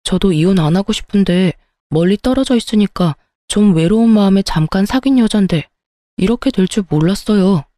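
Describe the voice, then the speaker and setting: A woman's voice: medium pitch, animated, moderate pace, warm tone, no room sound, studio quality, close to an everyday voice. A woman voicing a young husband who pleads and makes excuses, in a dramatized story. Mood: pleading. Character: young adult man, cheating pleading husband.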